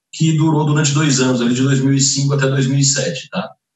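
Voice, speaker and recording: Audible room echo surrounds a man's voice. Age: 50s. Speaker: real estate executive. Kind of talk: interview.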